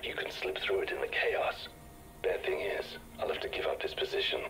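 An actor playing a gruff male sniper ally in a video game, speaking in a low husky whisper. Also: normal speed, fairly bright tone, slight background noise, rough recording. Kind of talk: game voice acting.

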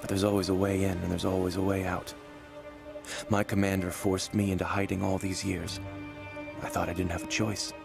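A man's voice: low-pitched, level tone, normal speed, vocal fry, music in the background. A male actor playing a resolute, world-weary fugitive ex-soldier in a motion-comic thriller, grave and determined in manner. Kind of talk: dramatic motion-comic voice acting.

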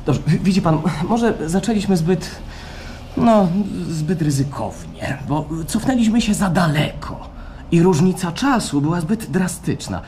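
A man's voice: high voice, big pitch swings, measured pace, warm tone. An actor playing an eager, fussy technician in a radio play, pressing his case persuasively. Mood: pleading, urgent. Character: eager, insistent technician selling staged re-creations of feelings. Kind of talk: radio play acting before a live audience. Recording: live stage recording with background noise.

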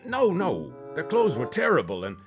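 An actor playing a cocky, goofy police officer in a comedy audio drama, full of boastful but faltering bravado. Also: male voice, on the high side, wildly swooping pitch, normal speed, over music. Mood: smug.

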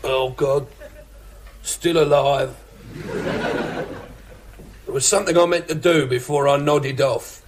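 An actor playing a drowsy, dying old man who talks slowly in a sitcom. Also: fairly high pitch, slight background noise. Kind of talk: 1990s TV sitcom acting.

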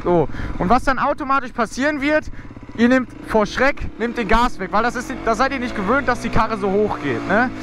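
High-pitched young man talking inside a helmet. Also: a little fast, a bit bright. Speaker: motovlogger giving a riding tutorial. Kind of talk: casual instructional commentary while riding. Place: outdoors inside a helmet, riding a motorcycle. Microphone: mic inside motorcycle helmet. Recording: helmet mic with clear engine and road noise.

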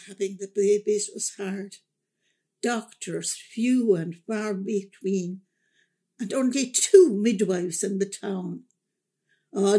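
A woman's voice: medium pitch, husky. A woman playing a wistful, resilient older Irish mother reminiscing expressively about hard years in a radio drama monologue. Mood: sombre, wistful. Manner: slow, reflective, expressive.

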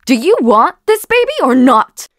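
A woman's voice: high-pitched, sing-song, moderate pace, a bit bright, no room sound, clean studio sound. A woman voicing a fierce, exasperated demon queen wife in a comic dub, dramatic and demanding. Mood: furious demanding.

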